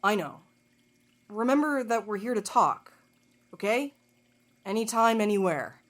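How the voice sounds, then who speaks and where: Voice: medium pitch, expressive, unhurried, fairly bright tone, no echo. A performer playing a blunt, wry and loyal tough companion in an audio drama. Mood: caring.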